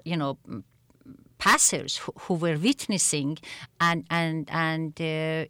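A middle-aged woman from Iran, an attorney and activist, answering interview questions in a halting way, often repeating words and restarting. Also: deep voice, fairly bright tone, dry recording, clean studio sound.

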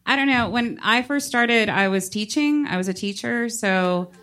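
A woman's voice: fairly high pitch, moderate pace, sharp tone. A woman, a stand-up comedian talking casually on a panel, with wry, dry asides.

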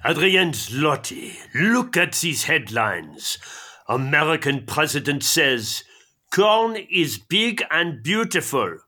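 Haughty French intellectual, French accent, very slow, sharp bright tone. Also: male voice, fairly high pitch, very animated, exaggerated voice. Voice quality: haughty, sardonic. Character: gloomy French existentialist complainer. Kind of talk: radio comedy sketch.

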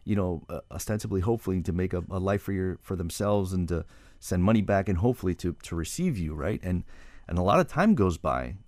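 A man hosting an interview poses long, meandering questions with plenty of fillers. His voice sits low, and the recording is dry and close. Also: expressive, brisk, darkish tone, no room sound. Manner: thoughtful, rambling questions with fillers. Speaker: radio interview host. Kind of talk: conversational interview.

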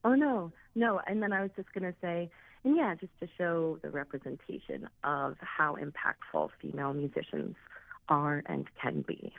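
Guest spot: chatty woman singer, late thirties, deep voice, heard over a thin phone line. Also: animated, normal speed, vocal fry, dry recording. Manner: chatty, laughing, many ums. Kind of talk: casual interview chat.

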